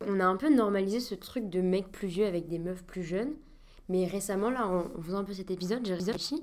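A plain, everyday voice talks at a fairly quick pace. Its pitch variation is ordinary. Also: woman, medium pitch for a woman. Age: 20s. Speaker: podcast host. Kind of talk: casual conversation.

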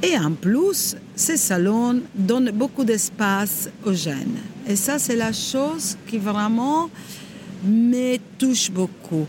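A woman speaks very slowly in a fairly high pitch, her intonation lively and her loudness very even. Background noise is noticeable. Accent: Italian. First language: Italian (speaking French). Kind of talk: interview at a trade fair.

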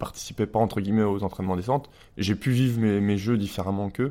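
In a very clean recording with a silent background, a man talks with fairly even intonation at a fairly low pitch. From France, Chamonix (French Alps). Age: 20s. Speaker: alpine ski racer. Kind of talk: interview. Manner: halting, many filler words.

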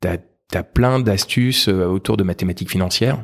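A man's very deep, low voice in a very clean recording with a silent background. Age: 40s. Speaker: startup executive. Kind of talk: casual chat.

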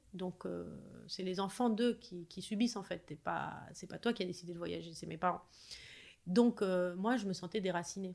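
Long, frequent pauses break up a woman's speech, which has medium pitch, fairly even intonation and a moderate pace. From abroad (Poland, Morocco) as French expatriate child. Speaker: tango dancer and teacher. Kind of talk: interview conversation.

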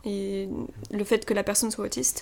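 The recording of this female speaker is very clean, with total silence behind her. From Brittany, France. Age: 20s. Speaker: sociology student. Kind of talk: interview. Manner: halting, many fillers.

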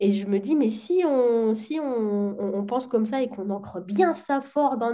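The speaker has a dark, mellow tone and lively intonation and barely pauses at all. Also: woman. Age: 30s. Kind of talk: casual chat. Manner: halting.

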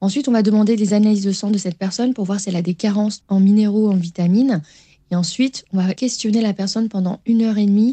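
Speaking at a very fast pace, a woman uses a medium pitch, a somewhat breathy voice and fairly even intonation. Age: 30s. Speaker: naturopath. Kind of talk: explanatory monologue.

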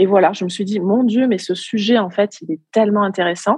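An unremarkable speaking voice moves along at a moderate pace. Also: woman. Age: 30s. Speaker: emotional intelligence coach. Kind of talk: interview conversation.

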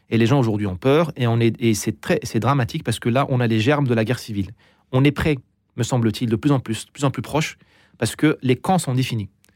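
A man speaks at a fairly quick pace in a medium-pitched voice. The sound is dry and close with no echo, on a very clean recording with a silent background. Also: ordinary pitch variation. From Morocco. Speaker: author and lecturer on international relations. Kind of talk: radio interview. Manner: halting, with many repeated words.

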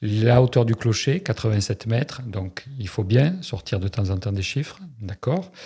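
A man's dark, mellow, somewhat breathy voice at medium pitch, with ordinary pitch variation and a very slow pace, on a very clean recording with a silent background. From France, Rodez (Aveyron). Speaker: tour guide and storyteller. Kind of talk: interview. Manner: animated; hesitant, with repetitions.

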